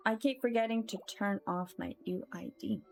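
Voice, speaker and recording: A woman with a medium-pitched, gravelly voice speaks at normal speed while live-streaming a game, with game music playing behind her. She chats playfully and casually, welcoming her viewers as she plays.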